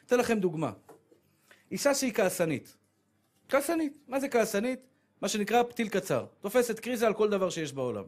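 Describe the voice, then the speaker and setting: A man giving a humorous sermon as a rabbi, telling lively stories and acting out the voices of the people in them. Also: sits high. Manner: animated storytelling, acts out voices of women and his wife.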